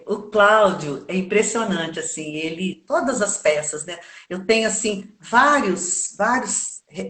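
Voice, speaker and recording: A woman who coaches actors' voices for theatre, talking reflectively in a casual interview and often pausing on tag questions. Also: mid-range voice, a bit bright, reverberant. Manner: reflective, thinks aloud with frequent tag questions. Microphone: video call.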